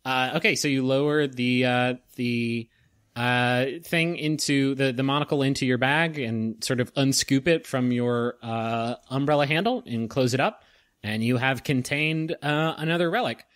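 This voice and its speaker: A man running a tabletop game as game master, narrating with many pauses and restarts and joking with swearing. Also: medium pitch, fairly bright tone, dry recording.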